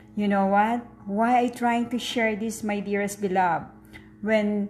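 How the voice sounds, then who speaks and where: Speaking with a Filipino accent, a woman has a medium pitch and a somewhat breathy sound. Her pace is fairly slow and her intonation monotone and flat. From Philippines. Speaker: vlogger and faith speaker. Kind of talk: casual vlog chat; inspirational religious talk. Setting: in a car.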